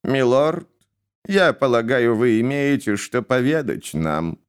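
A man voicing a calm, formal, blind old noblewoman in a story. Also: mid-range voice, slow, clean tone. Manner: composed, formal.

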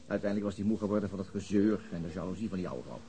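An actor playing a weary, reticent middle-aged police detective in a naturalistic radio drama, speaking haltingly with murmured filler words. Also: male voice, low-pitched, mellow, breathy edge. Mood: wry storytelling.

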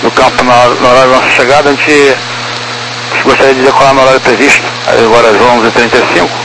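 A man's voice: medium pitch, level tone, quick pace. A man with a Brazilian accent speaking as an airline pilot to air traffic control over a walkie-talkie style radio. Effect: walkie-talkie style aviation radio. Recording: noisy two-way radio transmission.

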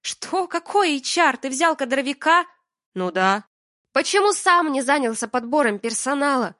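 A woman voicing a furious young woman who owns a restaurant, with a voice that turns shrill when she shouts. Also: expressive, quick pace, no room sound, clean studio sound.

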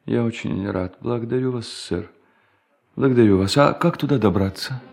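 A man's voice: mid-range voice, normal speed, creaky, darkish tone, lightly acted. An actor playing a tormented, obsessive man confessing to theft, frantically repeating his words in a theatrical audio drama. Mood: broken, meek.

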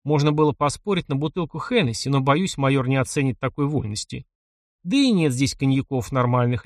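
A man's voice: a little high, dry recording. Guy reading an audiobook, wry and ironic, dry close recording. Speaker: audiobook narrator. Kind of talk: first-person audiobook narration.

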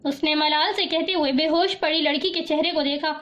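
High-voiced woman narrating a novel. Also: fairly even intonation, fairly bright tone, muffled recording. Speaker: audiobook narrator.

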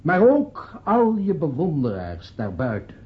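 An actor playing a sentimental man who speaks in a declamatory, measured way in a radio play. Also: a little high, huge pitch swings. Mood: solemn, nostalgic. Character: man giving a solemn, sentimental graveside eulogy for a friend. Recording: dull, noisy old radio play recording.

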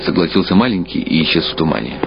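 A man narrating a story for radio in a measured, somber way. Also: sits low, expressive, vocal fry, heavy background noise. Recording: dull archival radio recording with loud music.

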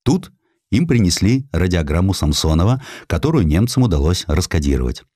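Deep-voiced male narrator, dry studio sound. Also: sing-song, brisk, warm tone, dry recording. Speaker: audiobook narrator. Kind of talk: dramatic scripted narration of historical prose.

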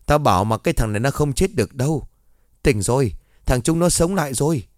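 A man voicing an older village medic who shouts bluntly and coarsely. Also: mid-range voice, lively intonation, a little fast, no room sound, clean studio sound, voice pushed up, natural voice. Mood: elated.

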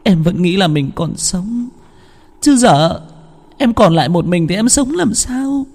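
A man voicing a young grieving wife in a high, soft, sobbing voice. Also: a little slow, creaky, breathy edge, full character voice. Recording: long hall reverb, faint music.

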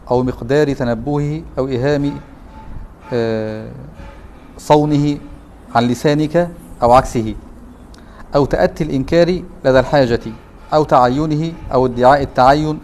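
A man's voice: mid-range voice, fairly quick, pauses often, a little mellow, a little hiss or hum. A man with an Egyptian Arabic accent giving a classroom lecture, who keeps asking rhetorical questions to prompt his students. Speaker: teacher.

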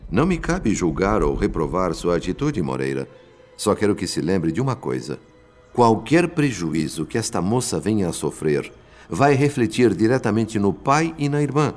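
Radio drama narrator: grave, compassionate Brazilian spirit, deep voice, expressive swings, measured and formal, in long reverb. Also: male voice. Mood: firm, conciliatory. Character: grave, compassionate male spirit recounting events, pleading for calm. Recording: long reverb, music behind.

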